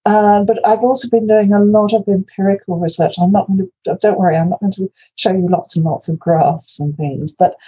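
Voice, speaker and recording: Older Welsh-born woman, academic lecturer; husky, dark, low voice, halting with fillers, muffled lo-fi sound. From Wales. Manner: hesitant, many fillers and restarts. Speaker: invited academic speaker.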